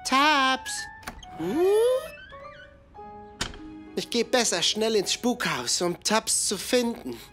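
A woman's voice: fairly high pitch, big pitch swings, slow pace, pauses often, sharp tone, full character voice. A woman voicing a cheerful, curious cartoon boy explorer in a children's show, exclaiming and wondering aloud to young viewers. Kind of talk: animated children's show dialogue. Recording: music behind the voice.

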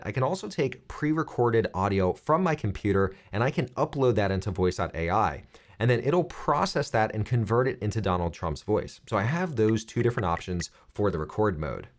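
A man in his thirties presenting a software tutorial, explaining things clearly step by step. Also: on the low side, expressive, brisk.

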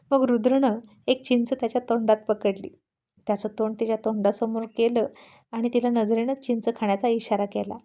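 A woman storyteller reading a serialized family story in an expressive, lively way. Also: fairly high pitch.

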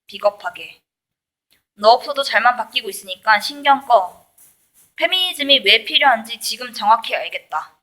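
A woman reads a nonfiction book aloud in a bright, edged voice that sits a little high. She moves through each line briskly and with point, like an audiobook narrator. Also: animated, poor audio. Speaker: audiobook reader.

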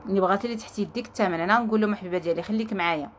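A Moroccan-accented woman gives a rapid live sales pitch for jewelry from her shop, her voice at a middle pitch. She coaxes her viewers warmly and repeats phrases as she talks to her staff, with faint noise behind her. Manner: lively, coaxing, repeats herself, chats with shop staff. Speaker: jewelry seller.

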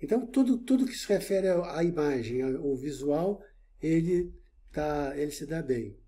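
A man's voice: fairly high pitch, lively intonation, dark tone. A man lecturing in a casual explanatory style, who talks right to the viewer, checks in often, and repeats words as he looks for the next one. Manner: talks directly to the viewer with frequent check-ins and rephrasings; halting, repeats words while searching for the next.

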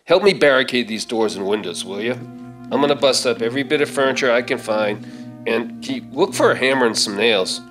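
A middle-aged man acts a gruff survivor who takes charge in a zombie radio play. His pitch is average and his phrasing folksy. Loud music plays behind him. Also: fairly quick, close to an everyday voice. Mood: steady, grim. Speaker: stage actor reading a script. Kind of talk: live radio-play acting. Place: theater stage. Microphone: stand microphone.

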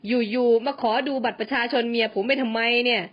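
A woman's voice: a little high, fairly even intonation, brisk, lo-fi sound, close to an everyday voice. A woman voicing an impatient young husband in a storybook reading.

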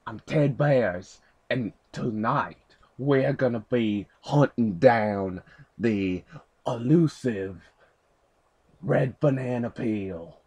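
A man playing an Australian hunter presenting a wildlife show, in a drawn-out dramatic way. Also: mid-range voice, a little mellow, breathy edge, highs cut off, full character voice. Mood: showy.

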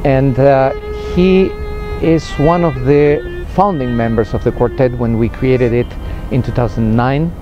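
A man in his forties speaking thoughtfully and haltingly in an interview as a university music director. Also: mid-range voice, lo-fi sound. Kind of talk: interview talk to camera. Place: outdoors on a campus lawn.

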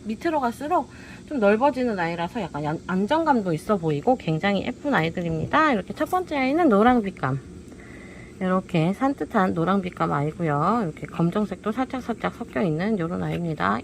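A woman's voice: medium pitch, animated, brisk, creaky, a little hiss or hum. Cheerful woman showing off flower pots. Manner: cheerful, coaxing, keeps asking "pretty, right?". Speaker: pot shop seller. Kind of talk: product showcase talk. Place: indoor pot shop.

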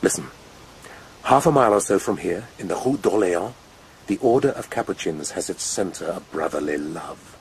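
An actor playing a pompous, amorous colonel in a radio drama, wooing ardently with breathy murmurs. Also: male voice, low voice, expressive, moderate pace, a little hiss or hum, rough recording. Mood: ardent, urgent. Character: smug, amorous colonel and nobleman, ardent would-be seducer. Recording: radio play with clear background ambience.

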